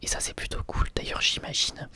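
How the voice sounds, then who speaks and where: Male ASMR host for whispered reviews, bright breathy tone, thinks aloud hesitantly. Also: brisk. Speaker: host reviewing an anime episode.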